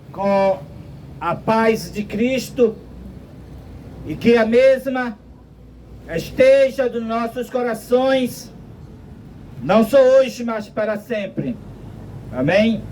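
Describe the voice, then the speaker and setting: A man from Brazil preaching a slow, emphatic street sermon outdoors, quoting scripture at length. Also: very high-pitched, darkish tone, a little hiss or hum, low-quality recording.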